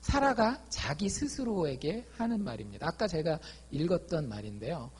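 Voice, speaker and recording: A man preaching a sermon as a pastor, lively, acting out quoted dialogue in his talk. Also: on the high side, normal speed, breathy edge. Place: church.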